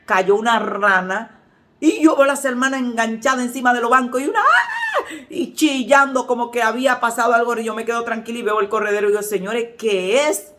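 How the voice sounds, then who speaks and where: A woman pastor with a Dominican accent, preaching a sermon and telling lively personal stories. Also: fairly high pitch, fast talker. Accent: Dominican Spanish. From Dominican Republic. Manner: lively storytelling, acts out quoted voices.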